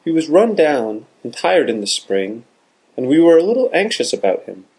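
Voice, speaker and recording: A man voicing a gentle invalid woman who speaks fondly in a storybook reading. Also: fairly high pitch, sing-song, normal speed, husky, voice pushed up, heavily acted, rough recording.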